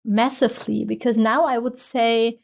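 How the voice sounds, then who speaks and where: A woman's voice: a little high, little pitch movement, normal speed, creaky. A woman from Germany in her thirties, a tech investor answering interview questions earnestly, stressing points by repeating words.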